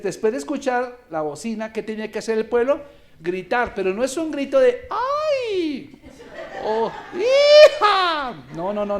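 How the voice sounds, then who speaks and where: A man's voice: extremely high pitch, a little mellow. A male pastor preaching a sermon, asking his congregation questions as he teaches.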